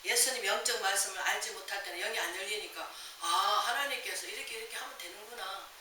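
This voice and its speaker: A woman pastor delivers an emphatic sermon, driving her points home with rhetorical questions. Her voice is very bright and sharp. It rings through a reverberant church hall, picked up from some distance with faint hiss underneath. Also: mid-range voice, fast. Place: church sanctuary.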